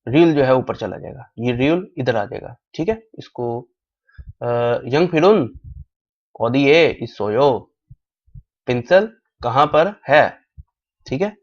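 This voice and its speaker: A man teaching a language class, slowly repeating drill phrases again and again as in a recorded lecture, with Urdu as his first language. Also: medium pitch, lively intonation. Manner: slow, repeats drill phrases many times. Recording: dull lo-fi recording.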